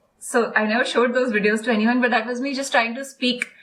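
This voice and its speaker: A woman with an American accent and a high pitch at a very fast pace, amid noticeable background noise and audible room echo. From raised partly in the US, then India. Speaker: model and pageant coach. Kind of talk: podcast interview.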